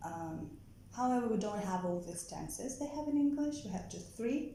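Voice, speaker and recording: A woman speaks at a moderate pace in a fairly high pitch, her voice swinging very widely in pitch, with audible room echo and noticeable background noise. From Russia. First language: Russian. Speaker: English teacher. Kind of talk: interview. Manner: hesitant, many fillers.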